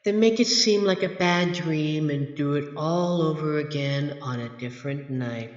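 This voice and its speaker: A man playing a grumpy, haughty monster from under a child's bed in an audio roleplay, speaking in a dry, pompous, deliberate way with exasperated sighs. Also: fairly high pitch, dull audio, close to an everyday voice. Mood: smugly menacing. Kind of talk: scripted ASMR roleplay audio drama. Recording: echoey, reverberant room effect.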